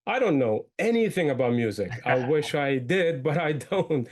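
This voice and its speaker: This Iraqi-born entrepreneur and podcaster, who came to the United States young, is a guest in an interview, explaining things conversationally. His voice sits a bit high and sounds animated at a normal speed, with a faint hiss or hum in the recording.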